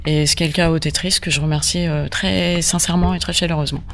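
A woman from Normandy, a photographer guest in a radio interview, who talks in a halting way with many fillers and restarts. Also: low-pitched, fairly even intonation, slight background noise. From Normandy, France.

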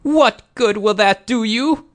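A man voicing a malicious, melodramatic middle-aged peasant woman in a storybook, in a wailing, shrill falsetto. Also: slow. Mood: defensive. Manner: wailing, melodramatic, screaming when angered. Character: big harsh peasant woman of forty, malicious, tearful. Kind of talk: acted audiobook character dialogue.

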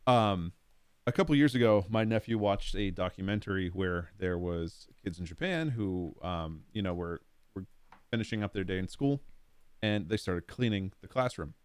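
A man co-hosting a podcast, telling a story in an animated way and laughing often. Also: low-pitched, normal speed, smooth, dry recording. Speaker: podcast co-host. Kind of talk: casual storytelling.

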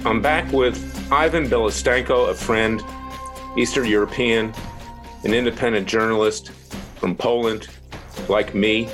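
A man's voice: fairly low pitch, fairly even intonation, a little slow, over music. A man hosting a political talk show, arguing bluntly and cutting in on his guest. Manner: forceful, interrupting, blunt.

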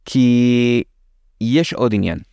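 A man's voice: medium pitch, vocal fry, dark tone, smooth, no room sound, soft background music. A man with an Israeli accent explaining things in a conversational way as a show's host, with playful questions and asides. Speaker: host of a science explainer show.

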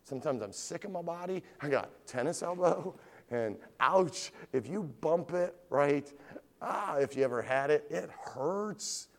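A middle-aged man preaching with a lively, swinging delivery that rises and falls all the time. His voice sits a little high for a man. He keeps firing rhetorical questions at the congregation in plain, everyday words. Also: a little slow, vocal fry. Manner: asks the congregation direct questions. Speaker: pastor. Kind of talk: evening sermon.

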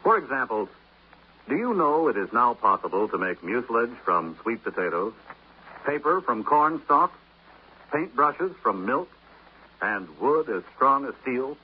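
A man reading a scripted public service announcement on the radio, in a conversational, explaining manner. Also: medium pitch. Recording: dull old radio recording with faint noise.

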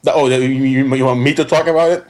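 A man's voice: medium pitch, fairly even intonation, fast talker, darkish tone. A man co-hosting a casual radio show, full of stammered restarts and easy laughter. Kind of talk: casual chat.

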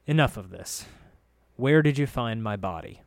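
A weary, gruff male adventurer voiced by a man grumbles his way through a fantasy story. He sounds frustrated, and the recording is close and dry. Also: medium pitch, animated, normal speed, no room sound. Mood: weary, firm. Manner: growling, frustrated.

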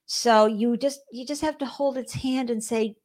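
A woman's voice: fairly high pitch, steady tone, moderate pace, a little mellow. A woman with a Boston accent hosting an interview, upbeat and encouraging, often speaking straight to the listeners. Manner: encouraging, addresses listeners as folks. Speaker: podcast host.

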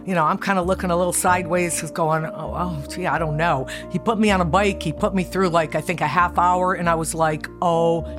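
A woman's voice: fairly low pitch, fast talker, hardly any pauses, music in the background. A woman being interviewed about her fitness career, speaking with enthusiasm and acting out what people said. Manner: enthusiastic, animated, acts out quotes. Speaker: guest, fitness studio founder. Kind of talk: conversational interview storytelling.

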